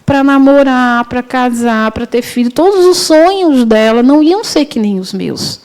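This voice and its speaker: A woman's voice: sits high, a little slow, a little mellow. A middle-aged woman, a university lecturer telling a story in a spiritist lesson, talking conversationally with restarts and self-corrections.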